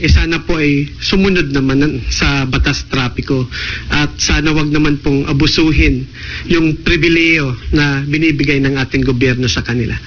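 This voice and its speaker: A man's voice: fairly high pitch, steady tone, moderate pace. A man, a traffic agency official, giving firm, polite explanations in a press interview. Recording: dull off-air radio sound.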